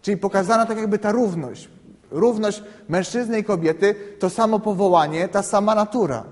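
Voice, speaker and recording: A man explaining scripture to a group in a conversational, halting way, often checking in with the listeners and repeating words while he thinks. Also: sits high. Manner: conversational, keeps asking "right?" to check understanding. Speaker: Bible teacher. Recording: long reverb in a hall.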